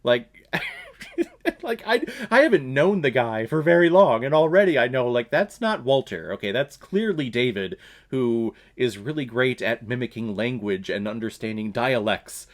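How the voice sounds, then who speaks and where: A man's voice: mid-range voice, sing-song, measured pace. A young man hosting his own movie review channel, talking casually in a blunt, sarcastic way and swearing now and then.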